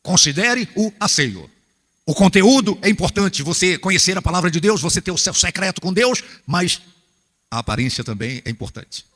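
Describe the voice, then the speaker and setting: A Brazilian man preaching a humorous, animated sermon to church workers, acting out little scenes as he goes. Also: high voice, normal speed, long reverb tail. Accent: Brazilian Portuguese.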